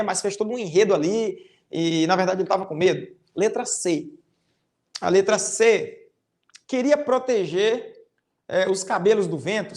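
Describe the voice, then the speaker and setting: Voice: medium pitch, darkish tone. A teacher with a Brazilian Portuguese accent giving a recorded online class to young pupils. The teacher explains step by step, often ends phrases with a tag question, and reads out example lines with exaggerated intonation.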